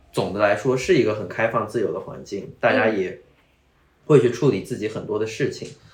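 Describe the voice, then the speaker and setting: Somewhat breathy, a man speaks at a fairly quick pace with audible room echo. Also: medium pitch for a man, ordinary pitch variation. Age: 20s. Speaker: podcast co-host. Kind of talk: casual chat. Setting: in person, Stockholm. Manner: animated.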